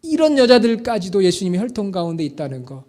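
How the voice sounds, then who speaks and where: A man's voice: sits high, very animated, fast talker, darkish tone. A man preaching a sermon, telling a story and asking the congregation questions as he goes. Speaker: pastor.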